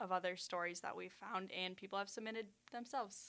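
This is a plain, everyday voice with an American accent and fairly even intonation, captured on a very clean recording with a silent background. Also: woman. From Minnesota, US Upper Midwest. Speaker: college student, social work major. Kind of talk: casual interview chat. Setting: studio.

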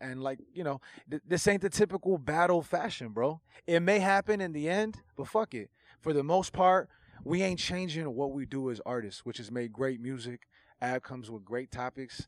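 The sound is dry and close with no echo as the voice moves at a moderate pace with lively intonation and big swings in loudness. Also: man, fairly high pitch for a man. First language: Portuguese. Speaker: rapper. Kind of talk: casual chat. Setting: studio.

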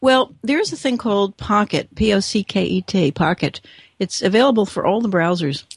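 An unremarkable speaking voice, with lively intonation and very even loudness. The sound is dry and close, with no echo. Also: woman, medium pitch for a woman, moderate pace. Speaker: radio co-host. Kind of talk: casual radio chat.

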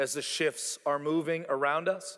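His intonation fairly even, a man speaks in a high voice. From Canada (Toronto, Calgary). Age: 40s. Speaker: pastor. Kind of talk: sermon. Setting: church.

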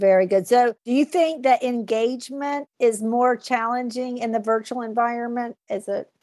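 A woman's high-pitched voice with a dark, mellow tone and ordinary pitch variation at a moderate pace, dry and close with no echo. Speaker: podcast host. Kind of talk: interview conversation.

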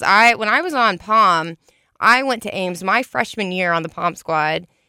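With an American accent, a woman speaks at a moderate pace in a fairly high pitch, her bright, sharp tone animated and her intonation lively, on a very clean recording with a silent background. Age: 20s. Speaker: sports podcaster. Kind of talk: solo sports commentary podcast. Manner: casual, animated.

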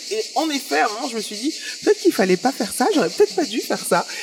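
Noticeable background noise behind a fairly quick-paced woman's voice. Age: 40s. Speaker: jazz singer. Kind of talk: interview. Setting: live radio broadcast with audience.

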